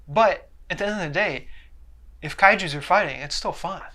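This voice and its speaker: A man's voice: high-pitched, moderate pace, pushed and bright. A man co-hosting a film discussion show, giving casual, wry and matter-of-fact pop-culture commentary.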